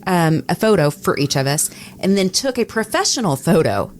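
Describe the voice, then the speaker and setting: An American woman with a fairly low voice tells anecdotes in a casual podcast chat. There is faint noise in the background of the recording. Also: very animated, moderate pace. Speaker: podcast co-host and radio personality.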